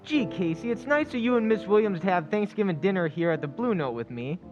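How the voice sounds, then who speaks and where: A man plays a grumbling, naive bartender sidekick in an old-time radio play. The voice is high and very animated, full of slangy complaint. The recording is a bit dull. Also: fast, over music. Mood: earnest, grumbling. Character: put-upon, grumbling little bartender pal.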